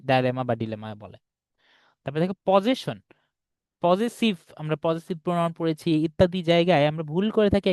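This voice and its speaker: A man's voice: mid-range voice, darkish tone, clean tone, dry recording. Patient male teacher on a video call. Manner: explains patiently, keeps checking students follow. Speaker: English teacher. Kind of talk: online class lesson.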